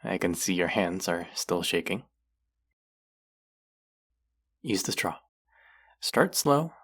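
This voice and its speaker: An actor plays a caring clinic guide in a roleplay audio drama. The voice sits low, with a gravelly creak at the edges. The delivery is soft-spoken and concerned, gently scolding a patient while looking after them. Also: exaggerated voice. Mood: gentle, firm. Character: caring, gently stern clinic guide who heals espers. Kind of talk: roleplay audio drama, speaking softly to the listener.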